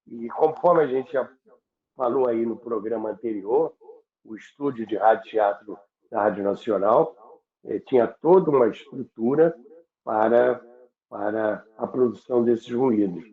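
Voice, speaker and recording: A Brazilian man explaining things in unscripted talk, didactic and halting, often repeating and rephrasing his points. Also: medium pitch. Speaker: radio history commentator and guest. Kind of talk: unscripted explanatory talk recalling broadcasting history. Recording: echoey, narrow phone-like call sound.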